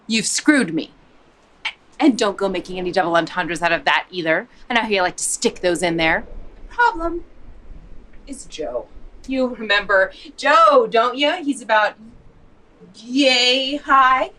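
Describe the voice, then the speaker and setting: A woman's voice: mid-range voice, sharp tone, distant mic, slight background noise, poor audio. An actress playing a blunt, sardonic, exasperated woman in a comedy audio drama. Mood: aggrieved.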